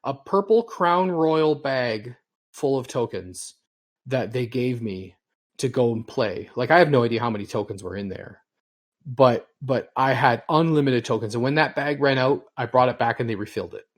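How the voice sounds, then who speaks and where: A man's voice: mid-range voice, normal speed. A man in his forties hosting a casual podcast chat, rambling through long stories at an easygoing clip. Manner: rambling storyteller. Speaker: podcast host.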